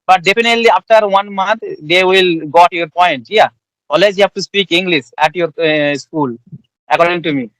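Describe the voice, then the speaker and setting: Man, host, polite, high voice, dry close sound. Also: moderate pace, a bit bright, no echo, rough recording. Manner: polite, frequent agreeing "yes, yes". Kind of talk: casual conversation practice.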